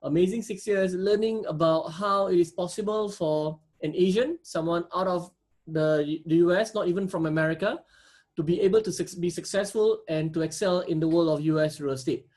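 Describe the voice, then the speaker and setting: A man's voice: high voice, normal speed, a little mellow. A man from Singapore giving a workshop presentation, speaking with frequent hesitations and restarts. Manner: hesitant, many fillers and restarts. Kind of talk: seminar presentation.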